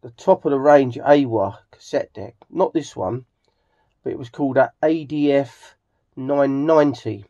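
A middle-aged man with an English accent gives a casual, rambling vlog narration in a halting, hesitant manner. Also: mid-range voice, warm tone. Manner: halting, hesitant, with frequent throat clearing. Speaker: hobbyist video host. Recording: slightly dull home recording.

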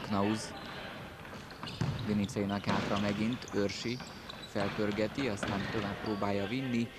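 A man's voice: on the low side, flat delivery. A man giving terse play-by-play commentary on indoor football, clipping out players' names. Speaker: match commentator. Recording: loud sports-hall noise, bouncing ball.

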